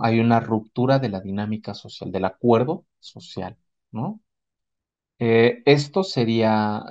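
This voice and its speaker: A man talking as a psychotherapist, explaining things calmly and at a measured pace. His voice sits at a middle pitch, and he often pauses to check that his listeners follow. The recording is slightly dull and lo-fi. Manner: calm, measured, with frequent "¿no?" and "¿vale?" check-ins. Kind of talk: explanatory talk on family psychology.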